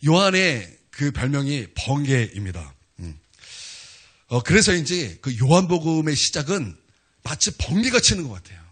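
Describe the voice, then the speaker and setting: A man's voice: on the high side, sing-song, moderate pace, fairly bright tone, breathy edge. A man preaching a sermon as a pastor. He tells stories casually and with humor, using many fillers, and builds to emphatic declarations.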